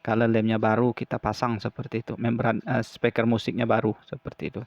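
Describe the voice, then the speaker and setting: A man explaining a hands-on repair step by step in an informal, halting, repetitive way. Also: mid-range voice, monotone, no echo, dull audio. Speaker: repair tutorial presenter.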